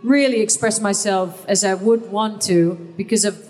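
A woman's voice: medium pitch, steady tone, moderate pace, darkish tone, faint music behind. A woman from the Netherlands with a Dutch accent, speaking English as a second language as a guest on a live panel, hesitant and searching for words. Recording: hall reverb.

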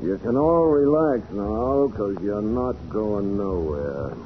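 An actor playing a menacing, resentful gangster with slangy, drawling tough talk in a 1940s radio crime drama. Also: male voice, fairly low pitch, lively intonation, takes it slowly. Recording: muffled, noisy 1940s radio recording.

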